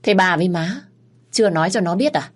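A woman's voice: lowish voice, brisk, voice pushed up, close to an everyday voice. A woman voicing a blunt, harsh older brother who speaks scornfully, in a storybook reading.

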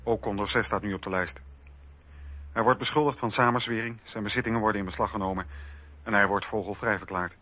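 A man narrating a historical radio drama from a script in a measured, factual way. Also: on the low side, steady tone, pushed and bright. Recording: slightly dull radio recording.

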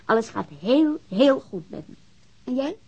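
An actress playing a cheerful, teasing grown daughter in a radio drama, breezy and informal. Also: female voice, sits high, animated, unhurried, mellow, breathy edge, muffled recording, full character voice. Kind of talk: naturalistic radio drama acting.

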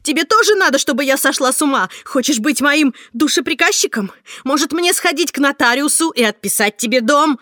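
A woman voicing a frightened young woman who shouts and sobs down the phone. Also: expressive, a little fast, no room sound, studio quality. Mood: furious. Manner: shrill, shouting, near tears. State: sobbing.

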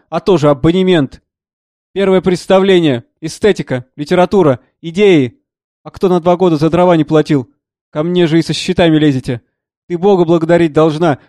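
A sneering, domineering moneyman who bullies and mocks everyone in the room, as a man reading a play puts him on. The voice sits a touch high for a man, close and completely dry. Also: warm tone, no echo, natural voice. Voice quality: sneering, scornful. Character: rude domineering middle-aged man, blustering financier.

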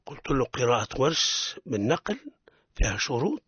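A man with a Tunisian accent hosting a radio lesson on Quran recitation, correcting mistakes and slowly demonstrating each syllable again and again. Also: medium pitch, very animated, a bit bright, husky, dry recording. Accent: Tunisian Arabic. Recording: dull, dry radio studio sound.

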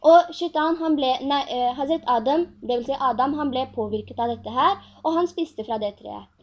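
High-voiced woman teaching a religious class. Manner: earnest, asks the class questions. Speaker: Quran teacher. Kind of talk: religious lesson in Norwegian. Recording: dull lo-fi recording.

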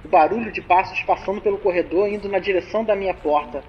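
A man's voice: sits high, quick pace, lo-fi sound, a little hiss or hum, lightly acted. An actor playing a frightened young man who tells his story in slangy, breathless bursts. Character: scared young man leaving voicemails.

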